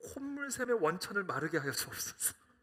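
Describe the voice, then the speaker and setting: A put-on character voice is nasal and fairly high in pitch, with very wide pitch swings. It rattles along at a very fast pace. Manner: solemn prayer tone.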